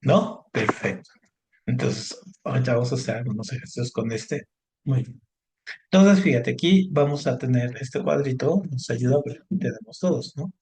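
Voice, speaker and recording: A man's voice: medium pitch, expressive, normal speed, darkish tone. Man teaching a lesson. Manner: explanatory, frequent tag questions and fillers. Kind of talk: online class lesson.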